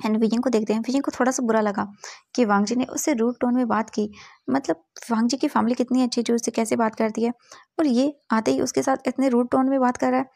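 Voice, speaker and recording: A woman's voice: fairly high pitch, steady tone, quick pace, creaky, a little mellow, no echo, studio quality. A woman narrating a fan story casually, mixing English words into her telling.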